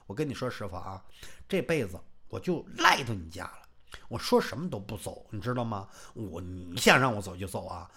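A man voicing a cheeky, stubborn young female apprentice in traditional Chinese storytelling, complaining in a quieter, lower voice. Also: expressive, a little fast.

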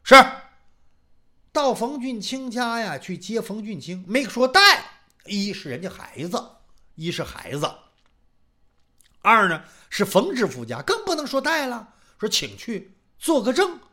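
A man telling a traditional folk tale, dramatic and animated, voicing every character himself. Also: high voice, measured pace. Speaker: storyteller. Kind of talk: traditional Chinese oral storytelling.

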